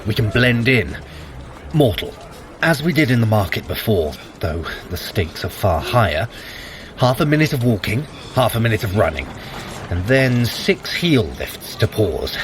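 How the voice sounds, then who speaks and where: An actor playing a sardonic, scheming god in an audio drama, speaking formally with wry, cool command. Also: male voice, lowish voice, big pitch swings, unhurried, background noise. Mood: urgent, commanding.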